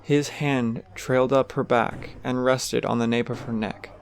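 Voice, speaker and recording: A man's voice: medium pitch, steady tone, unhurried, vocal fry. A man giving scripted third-person narration for an audio drama.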